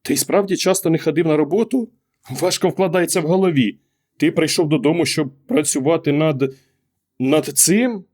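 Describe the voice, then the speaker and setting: A man's voice: fairly high pitch, moderate pace, a little mellow, pitched above the performer's own voice, lightly acted. A man reading an audiobook, raising his voice to play an anxious, exasperated wife who keeps pressing her husband with questions. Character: anxious middle-aged wife, exasperated and pleading. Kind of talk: audiobook character voice.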